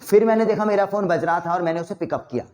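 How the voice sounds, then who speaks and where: A man with an Indian accent teaching a spoken English lesson, mixing Hindi with English and coaxing learners through rapid drills. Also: sits high. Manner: energetic, coaxing drill instructor.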